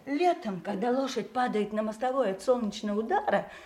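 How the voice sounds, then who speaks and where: An actress playing a bitter, mocking grown daughter in a Russian radio play, with a sarcastic, theatrical delivery. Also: female voice, a little high, expressive, fairly quick, warm tone, close to an everyday voice. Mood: dry sarcasm.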